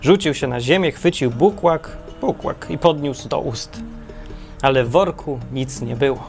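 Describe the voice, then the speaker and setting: Gravelly man telling a wry parable. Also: mid-range voice, unhurried, soft background music. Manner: wry, deadpan humor with self-corrections. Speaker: storyteller. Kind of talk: storytelling narration.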